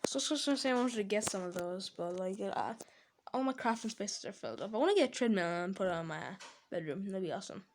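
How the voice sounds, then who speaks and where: A woman talking casually over her gameplay as a gaming channel host, chatty and rambling, quick to laugh and exclaim. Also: medium pitch, expressive, a little hiss or hum.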